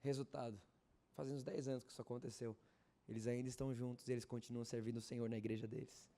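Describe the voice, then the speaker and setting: A man preaching a sermon at a church service, swinging from loud fervent exhortation to hushed storytelling and asking the congregation questions. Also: medium pitch, level tone, quick pace. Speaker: pastor.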